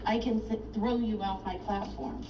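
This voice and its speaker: Brief: indignant woman self-filer ranting at a clerk's counter, recorded on a phone from a distance, echoey and muffled with loud background noise. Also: medium pitch, fairly even intonation. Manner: agitated, indignant, rapid-fire complaining. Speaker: self-represented litigant filing a case. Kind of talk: filmed argument at a court clerk counter. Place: courthouse clerk's counter indoors.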